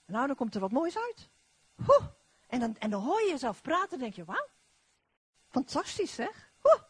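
High, animated woman preaching. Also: moderate pace, husky, no room sound. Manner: animated, exclamatory, repetitive phrasing. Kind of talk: lively charismatic sermon.

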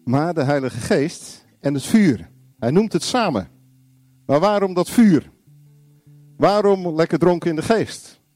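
Male preacher, higher voice, animated, confrontational sermon, dry sound. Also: measured pace, pauses often, no echo. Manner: confrontational, acts out little dialogues, sudden shouts.

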